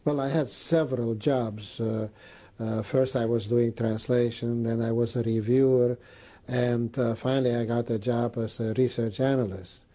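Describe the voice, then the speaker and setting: A man in his seventies, born in Greece, recalling his life in an oral history interview, with many pauses and fillers. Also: mid-range voice, steady tone, mellow. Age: 70s.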